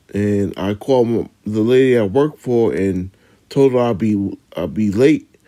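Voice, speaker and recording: A man speaks in a dark, mellow tone at a fairly low pitch. His pitch varies in an ordinary way. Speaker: religious teacher and stroke survivor. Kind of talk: testimony. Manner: slow; halting.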